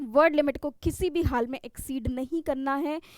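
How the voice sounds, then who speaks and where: The speech moves at a moderate pace with ordinary pitch variation, sounding dry and close with no echo. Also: woman. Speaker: online exam-prep teacher. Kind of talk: online lecture.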